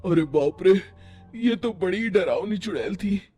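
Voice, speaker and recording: A man playing a timid, panicky village farmer in an animated story, pleading and exclaiming in fright, with music behind. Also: very high-pitched, unhurried. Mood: frightened.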